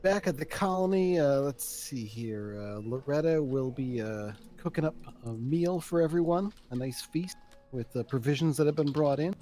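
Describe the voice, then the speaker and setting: A man's voice: a little high, expressive, normal speed, mellow. A man casually narrating his turn as a player in a tabletop board game.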